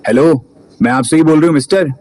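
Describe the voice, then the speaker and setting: Man playing a bossy young woman, harsh and commanding, higher voice, storybook. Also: fast, lightly acted. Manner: loud, curt, commanding. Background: music.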